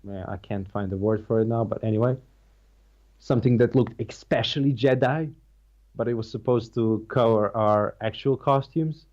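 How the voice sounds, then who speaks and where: A man's voice: medium pitch, normal speed, a little mellow, muffled recording. A man with a Slovenian accent, Slovenian his first language, talking as an actor guest in a casual interview, searching for words and restarting often. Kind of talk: casual interview over a call.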